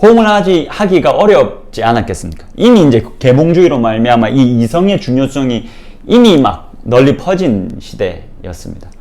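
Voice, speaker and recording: A man delivers a Bible lecture to a church audience, explaining patiently, talking directly to listeners, and using many fillers. His medium-pitched, dark-toned voice is very animated at a normal speed.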